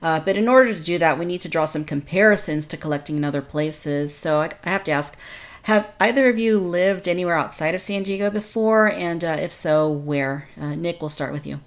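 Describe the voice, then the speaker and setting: Low-voiced woman hosting a podcast. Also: brisk. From Texas, United States. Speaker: podcast host. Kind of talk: conversational podcast discussion.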